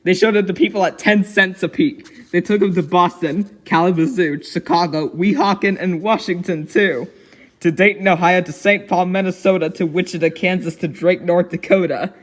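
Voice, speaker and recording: A man voicing a cheerful young girl who reads a storybook aloud in an expressive, giggly way. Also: sits high, moderate pace, natural voice. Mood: storytelling. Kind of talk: dramatic storybook reading with giggly asides.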